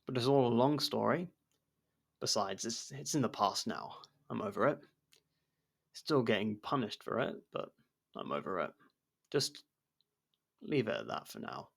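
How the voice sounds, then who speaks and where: Man acting as guarded male convict, gravelly fry, blunt, wryly supportive, conversational, hesitant pauses, ASMR roleplay drama. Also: on the low side, big pitch swings, exaggerated voice. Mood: subdued, bitter.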